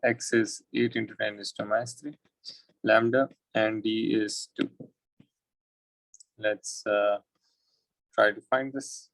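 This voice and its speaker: A man's voice: fairly low pitch, fairly even intonation, takes it slowly, creaky, pauses often, a bit bright, no echo. A man with a South Asian accent tutoring physics, working through exam questions aloud in short, informal phrases as he thinks.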